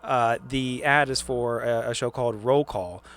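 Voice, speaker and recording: A man with an ordinary, middle-pitched voice. He talks casually and informally, as a podcast regular and player in a tabletop game show would. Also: a little slow, a bit bright. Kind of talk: casual chat.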